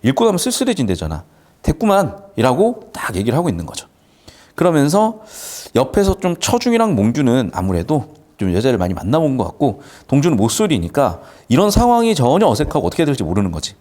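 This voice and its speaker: A man's voice: medium pitch, a little fast. A man teaching a literature lesson, casually explaining a screenplay and playfully acting out the characters' lines. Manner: lively, jokey, acts out characters' lines. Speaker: Korean literature tutor. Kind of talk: classroom lecture explaining a screenplay.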